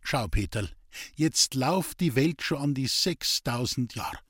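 A man's voice: mid-range voice, lively intonation, slow, fairly bright tone, husky, dry recording, clean studio sound, exaggerated voice. Man as a kindly Bavarian village priest. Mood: fatherly. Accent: Bavarian dialect. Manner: patient, fatherly. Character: kindly, gently teasing older village priest.

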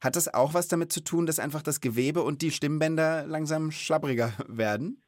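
A man hosting a podcast in lively casual chat, eager, exclaiming and laughing often. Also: fairly high pitch, normal speed, dry recording, studio quality. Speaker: podcast host.

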